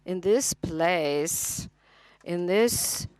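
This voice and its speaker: A woman interprets a speech at a conference, speaking slowly in a smooth, clear voice. She halts often, restarts her phrasing and fills the gaps with brief fillers. The sound is close and dry. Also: lowish voice, a little mellow, no room sound. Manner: halting, with frequent restarts and fillers. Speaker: simultaneous interpreter. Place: conference hall.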